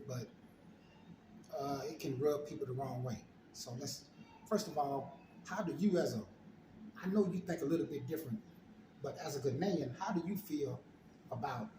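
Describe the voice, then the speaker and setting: An African American man hosting a relaxed, informal chat, clearing his throat often, recorded on a phone at home. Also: medium pitch, roomy sound, noisy background. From United States. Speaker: host. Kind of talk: casual conversation.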